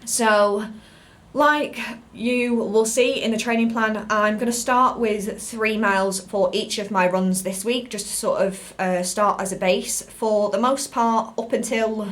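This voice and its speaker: A woman's voice: mid-range voice, steady tone, a little slow, a bit bright. British woman, casual vlog chat. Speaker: fitness vlogger. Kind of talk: casual talk to camera.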